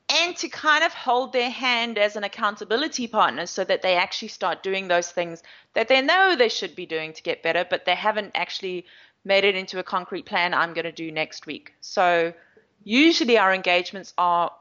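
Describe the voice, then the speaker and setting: A woman's voice: fairly low pitch, a bit bright. Chatty South African woman explaining. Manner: chatty, explanatory, many fillers. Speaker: agile coach. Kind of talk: interview answers. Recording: slightly dull audio.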